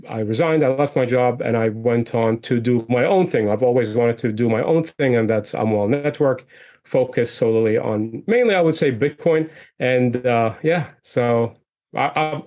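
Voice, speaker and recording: A man's voice: mid-range voice, moderate pace, darkish tone. A man from Iraq, a guest on a podcast, telling his story in a chatty way with many restarts. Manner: chatty, with frequent restarts and fillers. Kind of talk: interview conversation.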